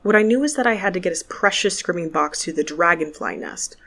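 A low-voiced, sardonic space courier. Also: female voice, expressive, fairly quick, creaky, a bit bright, full character voice. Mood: wry storytelling. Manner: sardonic, colloquial. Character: wry, foul-mouthed, sharp-tongued space courier narrating their tale. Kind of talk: first-person audio drama narration and dialogue.

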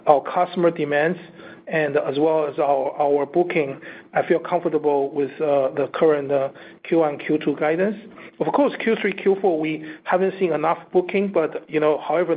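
A man with a fairly high voice comes through a narrow, phone-like line with faint noise. He is a company executive answering questions on an earnings call, speaking haltingly and repeating words as he goes. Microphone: conference call line.

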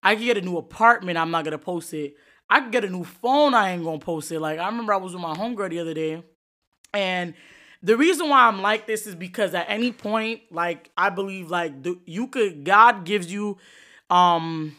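A woman's voice: fairly low pitch, a little fast, pushed and bright. A woman hosting her own podcast, talking in a loose, slangy solo monologue full of fillers. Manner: chatty and slangy, many fillers. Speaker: podcast host. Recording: echoey room.

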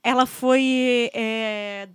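High joking woman, dry sound. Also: steady tone, drawn-out words, clean tone, dry recording. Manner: joking, playful interjections. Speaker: podcast co-host. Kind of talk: casual chat.

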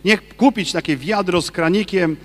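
A man, a Catholic priest, giving a lively sermon and firing rhetorical questions at his listeners. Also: high voice, normal speed, in a large hall. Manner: acts out quoted people in his talk.

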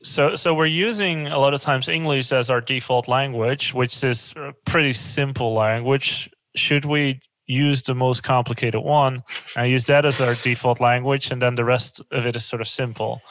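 A man hosting a casual conversation, talking quickly, asking follow-up questions and making joking asides. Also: medium pitch, fairly even intonation, fairly bright tone, no echo, rough recording.

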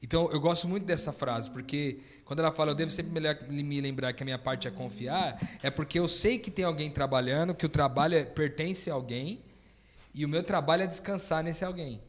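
A man's voice: a little high, brisk. A Brazilian man in a casual faith discussion, speaking thoughtfully and quoting songs. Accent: Brazilian Portuguese. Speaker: panelist.

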